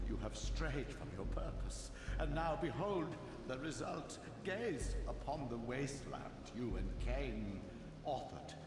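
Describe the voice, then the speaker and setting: The spirit of a scheming old sorcerer from a video game. His pious, theatrical pleading swoops widely in pitch, drenched in hall reverb with loud music behind. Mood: grave reproach. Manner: theatrical, pleading, sanctimonious oratory. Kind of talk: scripted dramatic video game acting.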